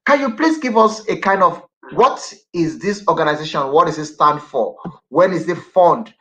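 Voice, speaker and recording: A man's voice: a little high, expressive, normal speed, sharp tone. A man hosting an online radio interview show, talkative and prone to repeating himself. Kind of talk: broadcast interview.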